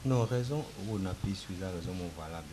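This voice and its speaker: Actor for a controlling Congolese husband, Congolese French accent, low and mumbled, noisy take. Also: male voice, expressive, a little fast. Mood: insistent. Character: young man, controlling partner. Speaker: husband in a drama series. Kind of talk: Congolese TV drama acting. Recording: noisy home-video sound.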